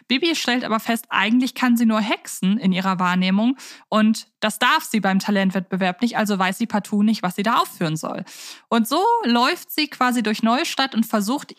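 A woman with a slightly high voice hosts a fan podcast. She talks in a chatty, enthusiastic, informal way. The sound is very dry, with no room around it. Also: no room sound. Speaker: podcast host. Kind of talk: casual fan podcast discussion.

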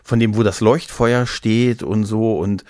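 A man in a casual chat as a podcast co-host, talking haltingly, often repeating words and adding tag questions. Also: on the low side, fairly even intonation, a little mellow, no echo, studio quality. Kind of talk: casual chat about audio dramas.

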